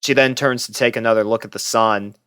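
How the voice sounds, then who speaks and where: A man narrating a first-person romantic fan fiction story from a script in a measured, earnest way. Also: medium pitch, steady tone, sharp tone, clear, resonant tone, no echo, studio quality.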